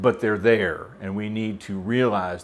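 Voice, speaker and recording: A man with an American accent speaks at a fairly slow pace. His voice is fairly low, with fairly even intonation. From US Midwest. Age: 60s. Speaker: educator vlogger. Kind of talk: reflective monologue. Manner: halting.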